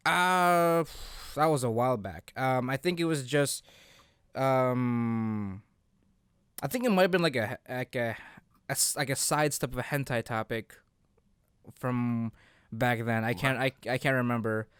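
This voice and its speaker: A man's voice: mid-range voice, unhurried, fairly bright tone, smooth, dry recording, clean studio sound. A man co-hosting a casual podcast chat, talking hesitantly and often searching for his words. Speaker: podcast co-host.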